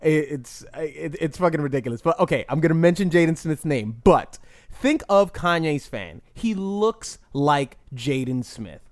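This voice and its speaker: A man hosting a podcast, arguing his point in casual, animated debate with a co-host and cutting in often. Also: fairly high pitch, normal speed, no room sound, studio quality. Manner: animated, argumentative, interrupts.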